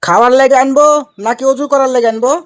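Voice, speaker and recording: A woman's voice: high voice, fairly even intonation, fast talker, crowd noise, close to an everyday voice. A woman voicing a maddeningly literal cartoon husband with a Rajshahi Bengali accent, innocently and persistently questioning. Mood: pestering, loud. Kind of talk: comic cartoon dialogue.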